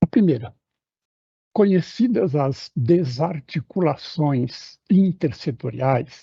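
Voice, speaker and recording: In a dry, close recording with no echo, a man with a fairly high pitch speaks with lively intonation in a somewhat breathy, dark, mellow tone. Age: 70s. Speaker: webinar moderator, education professor. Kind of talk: moderated webinar introduction. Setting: video webinar at a computer.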